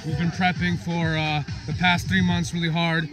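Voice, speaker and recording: A man's voice: a little high, little pitch movement, moderate pace. A young man giving cocky, pumped-up boasts in a mock sports-star interview, outdoors. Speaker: camp participant. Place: outdoors on a grassy field. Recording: background music under the voice.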